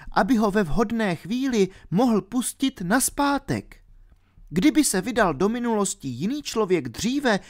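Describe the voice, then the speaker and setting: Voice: mid-range voice, pitched above the performer's own voice, natural voice. A reader voicing a ten-year-old girl, bold and determined, speaking eagerly and insistently in a storybook reading.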